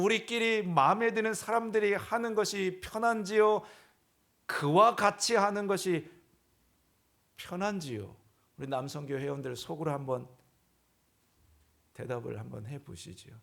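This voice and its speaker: A pastor, his pitch sitting a bit high for a man, preaches in a church. He poses question after question to the congregation and swings his voice up and down between them. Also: a little slow, creaky, long pauses, a bit bright. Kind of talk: sermon.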